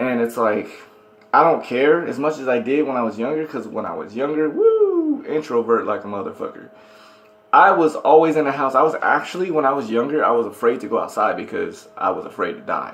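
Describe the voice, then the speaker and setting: Amid noticeable background noise, a man mumbles at a fairly quick pace. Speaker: vlogger. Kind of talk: casual vlog monologue. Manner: mumbling; halting, self-interrupting.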